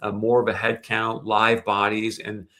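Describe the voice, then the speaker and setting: Low-voiced man hosting a talk show. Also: completely flat delivery, measured pace, fairly bright tone. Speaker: show host. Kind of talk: conversational industry commentary to listeners.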